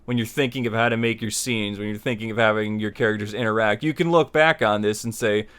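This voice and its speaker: A man's voice: lowish voice, fast talker, fairly bright tone, clean tone. A man hosting a tutorial, explaining his opinions in a conversational, rambling way and repeating himself for emphasis. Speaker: tutorial series host. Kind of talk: informal spoken lesson, opinionated explanation.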